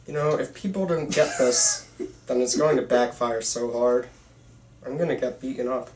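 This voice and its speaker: During an amateur table read, a man voices a young filmmaker, reading casual dialogue in a mid-range, slightly mellow voice at normal speed. The room is echoey, the mic distant, and there's faint noise.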